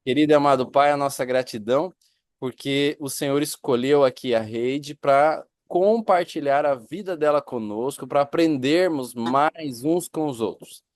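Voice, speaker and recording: A man, a pastor, who hosts a church interview, asking quick, upbeat questions and leading a prayer. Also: medium pitch, no room sound, clean studio sound. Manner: upbeat, rapid questions with affirmations.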